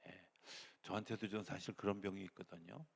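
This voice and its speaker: Middle-aged male pastor, gravelly and husky, preaching in a big reverberant church. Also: deep voice, fairly quick. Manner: animated preaching, swings between raised voice and near-whisper. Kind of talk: sermon. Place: church sanctuary.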